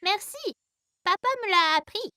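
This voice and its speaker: Casting: eager cartoon boy of four, very high voice, unhurried, excitable and earnest. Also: a little hiss or hum, full character voice. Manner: excitable, childlike, earnest delivery. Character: eager four-year-old boy, kind, sometimes a bit fearful. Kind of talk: French-language children's cartoon dubbing.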